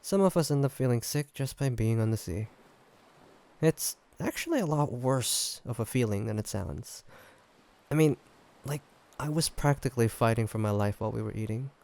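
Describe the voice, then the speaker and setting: A man playing an affectionate, teasing boyfriend in a roleplay audio drama, talking casually and haltingly with a slightly gravelly voice. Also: mid-range voice, expressive. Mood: wry, reassuring. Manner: casual, halting, gently teasing, chuckling delivery. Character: affectionate, teasing human boyfriend on a fancy date. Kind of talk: roleplay audio drama, intimate one-sided conversation.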